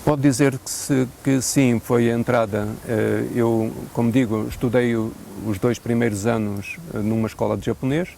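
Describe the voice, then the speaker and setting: Portuguese priest with a gravelly voice. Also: male voice, medium pitch, steady tone, warm tone, slight background noise. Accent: European Portuguese. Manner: measured, thoughtful, with hesitant fillers and a dry joke now and then. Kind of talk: unscripted interview answers.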